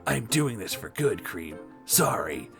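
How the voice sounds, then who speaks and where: A man voicing a smug, brooding, villainous male cartoon hedgehog in a terse, deadpan way for a comedic story reading. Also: lowish voice, slow pace, vocal fry, faint music behind, exaggerated voice. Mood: coldly determined.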